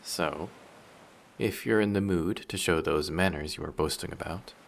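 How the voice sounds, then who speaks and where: This man voices a handsome, vain, flirtatious sea monster pretending to be a passenger in an audio drama roleplay, speaking low and creaky at a normal speed. Polite, formal, teasing and self-assured, he comes across as politely evasive here.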